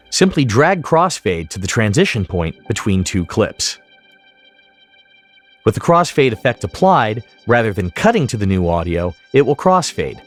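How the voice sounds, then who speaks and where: A man narrating a software tutorial as an instructor, explaining each step methodically. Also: mid-range voice. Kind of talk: instructional screen-recording narration.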